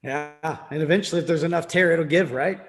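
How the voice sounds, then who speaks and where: A man's voice: fairly high pitch, fairly quick. A man leading a sales training session, quizzing his listeners and tagging points with "right?". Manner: quizzing the room with frequent "right?".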